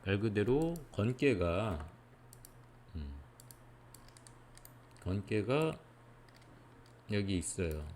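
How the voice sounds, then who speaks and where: Patient low-voiced male lecturer. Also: very animated, drawn-out words, pauses often, a little mellow, slight background noise. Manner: patient, step-by-step explaining with frequent "예" check-ins. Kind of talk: explanatory lecture.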